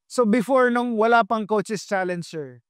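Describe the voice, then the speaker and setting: A man's voice: high-pitched, a little slow, clean tone, no echo, clean studio sound. A man hosting a sports interview show, asking probing questions and mixing English into his sentences. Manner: switches between local language and English mid-sentence, probing.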